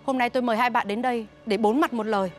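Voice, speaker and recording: An actress gives voice to a middle-aged TV drama mother who is fierce and protective. She scolds and shouts in a high voice, with a drama score running clearly underneath. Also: steady tone, very fast, faint music behind, lightly acted. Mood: stern. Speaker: mother of Thi. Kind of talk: TV drama acting.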